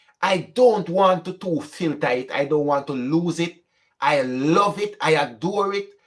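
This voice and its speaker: A man speaks at a high pitch with a strong Jamaican accent. His intonation is lively. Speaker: YouTube commentator. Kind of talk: casual monologue. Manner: Jamaican Patois mixed with English.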